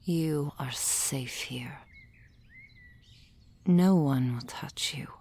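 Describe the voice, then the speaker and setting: A woman voicing a gentle female soul healer in an ASMR roleplay, whispering softly and soothingly into a close microphone. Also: very deep voice, heavily acted. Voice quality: breathy whisper. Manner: soft whispering, slow and soothing. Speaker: ASMR performer.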